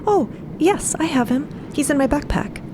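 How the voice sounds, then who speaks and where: A woman voicing a sweet, anxious, tired young adventurer in an audio drama, speaking in a hesitant, earnest, halting way. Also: high-pitched, expressive, noisy background, pitched above the performer's own voice.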